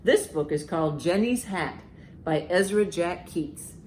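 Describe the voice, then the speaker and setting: A woman hosting a children's storytime, reading aloud and reciting rhymes with expressive, deliberate emphasis. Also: lowish voice, slight background noise. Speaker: library storytime host.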